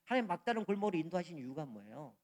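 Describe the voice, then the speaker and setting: Emphatic Korean pastor preaching a sermon. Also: male voice, a little high, sing-song, rapid-fire, a little mellow. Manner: emphatic, asks the congregation questions.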